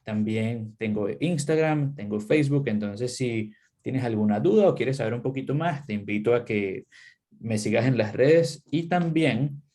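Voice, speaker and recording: Relaxed man, dark mellow voice. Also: mid-range voice, unhurried. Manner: relaxed, conversational, uses many fillers. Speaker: English teacher. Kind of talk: casual advice in a live interview.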